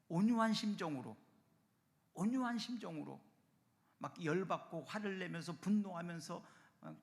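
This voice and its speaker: A male pastor delivers an earnest sermon with a fairly high, gravelly voice that swings widely in pitch. He leans on emphatic rises and falls and asks rhetorical questions. The sound carries a long church-hall reverb. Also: a bit bright. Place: church sanctuary.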